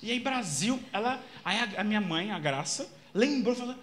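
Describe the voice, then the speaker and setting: A man giving an animated storytelling lecture at a Spiritist center, shouting out the cries he retells. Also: high voice, moderate pace, a little hiss or hum.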